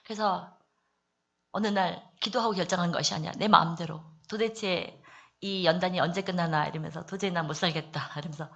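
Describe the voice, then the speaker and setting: A woman from the Daegu area giving an earnest church testimony, confiding and personal, with many soft fillers. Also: lowish voice, fairly even intonation, brisk, vocal fry, muffled recording. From Daegu, South Korea. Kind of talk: testimony at a prayer meeting.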